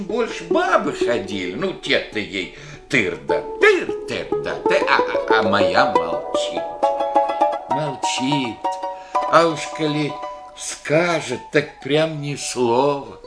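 An actor playing a gentle old village grandfather who speaks in slow, dreamy rustic speech in a radio play. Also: mid-range voice, sing-song. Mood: reminiscing. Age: older. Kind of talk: 1980s-style radio play acting. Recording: radio play with guitar music behind.

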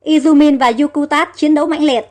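High-voiced woman narrating a story. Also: fairly even intonation, a little fast, a little mellow. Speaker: audiobook narrator.

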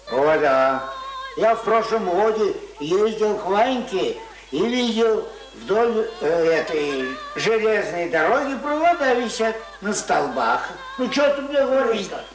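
A grumbling old country man in a radio drama. His voice is high for a man and he talks slowly, in plain, stubborn village speech. The recording is roomy, with faint noise. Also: very animated, faint music behind. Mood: musing, opinionated. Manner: folksy, colloquial, grumbling. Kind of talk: radio play acting.

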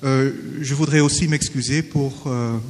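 A man who is not a native French speaker, formally reading a conference paper with hesitant pauses and self-corrections. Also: medium pitch, steady tone, darkish tone, big-room sound, a little hiss or hum. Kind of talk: academic conference paper read aloud. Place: conference hall.

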